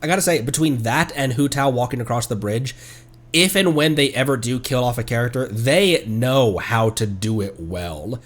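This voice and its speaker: A man's voice: mid-range voice, animated, moderate pace. A man streaming a game, giving casual, playful commentary as he plays.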